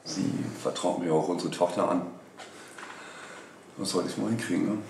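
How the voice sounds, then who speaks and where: A man's voice: deep voice, normal speed, creaky. A man in his thirties chatting casually in an interview at home, recorded in a roomy space. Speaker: husband and soldier being interviewed. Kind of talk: casual chat. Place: at a dining table at home. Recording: roomy, distant, faint background noise.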